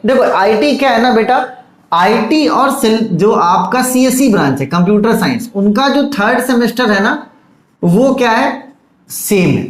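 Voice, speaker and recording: A man's voice: high-pitched, animated, unhurried. Fatherly tutor man, echoey room. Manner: fatherly, calls students "beta", keeps asking "theek hai". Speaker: online tutor. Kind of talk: casual video lecture.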